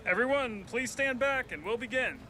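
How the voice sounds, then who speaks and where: High-pitched formal demolition announcer. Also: male voice, animated, moderate pace, pushed and bright, heavily acted. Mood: official. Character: official male demolition foreman addressing onlookers. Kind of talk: children's radio drama acting. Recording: noisy outdoor demolition site effects. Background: machinery sound effects.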